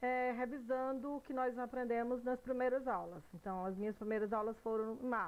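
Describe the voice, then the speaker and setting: Here a woman speaks with a high pitch. Her pace is moderate. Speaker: university lecturer. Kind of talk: recorded online lecture.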